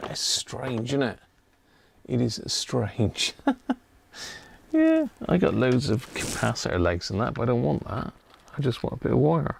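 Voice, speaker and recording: A man's voice: medium pitch, vocal fry, background noise. A man giving casual live commentary as he does electronics repair, chatting and half muttering to himself while he works.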